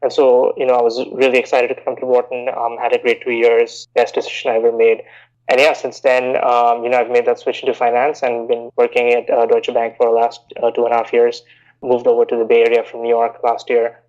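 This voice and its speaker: A man in his thirties from India, raised in Bahrain, answering interview questions in a measured, explanatory way with frequent "you know" fillers. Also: mid-range voice, monotone, darkish tone, muffled recording. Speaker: guest, investment banker.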